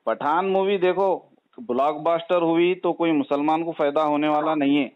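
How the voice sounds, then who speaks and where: A man's voice: fairly high pitch, moderate pace, clear, resonant tone. A man from Hyderabad with a Hyderabadi accent, arguing on a phone call in an insistent, persuasive manner and repeating his points. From Hyderabad, India. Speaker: caller. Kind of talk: argumentative phone conversation. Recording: dull, lo-fi recorded phone call.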